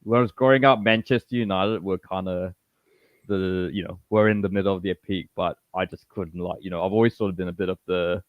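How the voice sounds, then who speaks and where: A man from Malaysia with a low voice, heard over a dull, lo-fi and dry connection. He hosts a casual chat, rambling in lively bursts, restarting his sentences and leaning on you-know again and again. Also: fairly quick, no room sound. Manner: rambling, animated, many you-knows and restarts. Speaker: podcast host.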